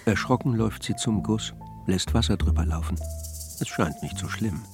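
Guy voicing a moody jealous husband in a radio drama, deep gravelly voice, half whispering. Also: music in the background, natural voice. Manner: gravelly, measured, often whispered. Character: brooding, jealous husband and stepfather. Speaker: narrator, husband and stepfather. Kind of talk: radio play inner monologue.

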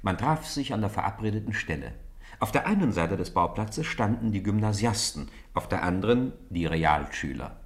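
A man's voice: on the low side, normal speed. A man narrating a children's radio play as a scripted, theatrical storyteller. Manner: theatrical, animated delivery.

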